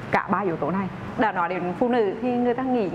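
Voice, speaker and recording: Over light background noise, a woman speaks at a moderate pace with a fairly high pitch and ordinary pitch variation. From Vietnam. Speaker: associate professor of foreign languages. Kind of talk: TV talk show interview. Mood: warm, smiling.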